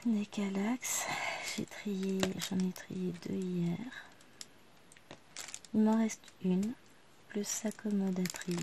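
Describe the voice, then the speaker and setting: A woman's voice: medium pitch, flat delivery, slow, pauses often, noisy background. A woman in her thirties, a vlogger chatting casually to the camera while she works on a craft at home. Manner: chatty, talking quietly to the camera while working. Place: living room at home.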